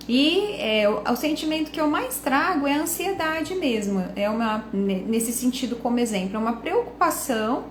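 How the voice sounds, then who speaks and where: A woman's voice: sits high, roomy sound, a little hiss or hum. A woman, hosting a reflective talk to camera and often tossing in rhetorical and tag questions. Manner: conversational, asks rhetorical questions, frequent tag questions. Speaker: speech and listening coach, channel host.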